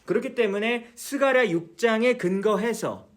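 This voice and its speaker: A man's voice: high voice, moderate pace. A man teaching a church Bible study, explaining patiently, repeating key words and asking his listeners many questions. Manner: mixes English words into explanations.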